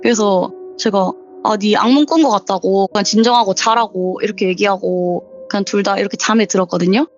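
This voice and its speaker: A woman's voice: mid-range voice, fairly quick, few pauses, dull audio, faint music behind. A young woman in her twenties calling in to tell a true scary story in a chatty, casual way, acting out what people said. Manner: chatty, acts out quoted dialogue. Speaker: viewer telling her story as a caller. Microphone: voice call.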